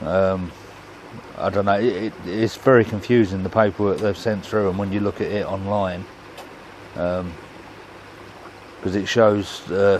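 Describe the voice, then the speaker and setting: A man with an English accent talks fairly slowly with long, frequent pauses, fairly low pitch and monotone, flat intonation, against noticeable background noise. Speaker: hobby vlogger. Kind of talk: casual vlog monologue. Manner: soft-spoken, struggles to speak loudly.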